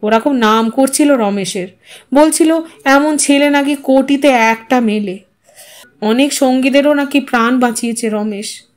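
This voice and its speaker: A woman's voice: high-pitched, measured pace. A woman voicing a dazed, bereaved village father in an audiostory, speaking in a subdued, detached manner. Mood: flat, proud.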